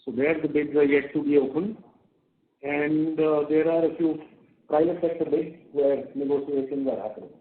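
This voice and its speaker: A man with an Indian accent answering investor questions as a company executive, halting and matter-of-fact. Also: a little high, fairly even intonation. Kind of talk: earnings call question and answer. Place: conference call. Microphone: telephone. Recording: narrow tinny phone line.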